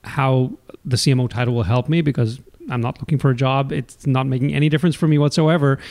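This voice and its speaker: A man's voice: medium pitch, darkish tone, no room sound. A man in his forties from Israel, a guest on a podcast interview, explaining with examples and a wry touch. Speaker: guest, marketing executive.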